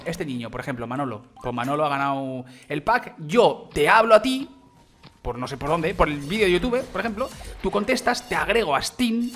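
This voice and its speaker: A man with a Spain Spanish accent, commenting on his own gameplay in a fairly high voice. He gushes with excitement and drops casual swears as he plays. Faint game music runs quietly behind him. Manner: excitable, gushing, peppered with mild swearing and filler. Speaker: gaming YouTuber. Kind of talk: let's play commentary.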